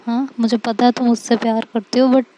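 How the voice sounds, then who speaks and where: A woman's voice: a little high, little pitch movement, fairly quick, dark tone, slight background noise, natural voice. A woman reading the part of an exasperated young bride who scolds her teasing friends in a storybook love story.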